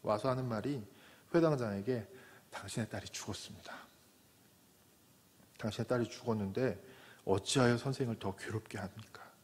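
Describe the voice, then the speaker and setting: A man, a pastor, preaching a sermon who acts out the voices in the story, from loud cries to soft whispers. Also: on the low side, moderate pace. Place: church sanctuary. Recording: church hall with long reverb.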